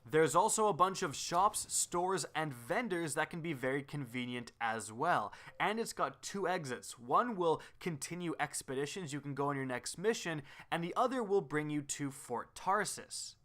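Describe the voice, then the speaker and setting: A man's voice: a little high, expressive, normal speed, hardly any pauses, fairly bright tone. A man hosting a gaming video, giving upbeat, explanatory commentary as a voice-over.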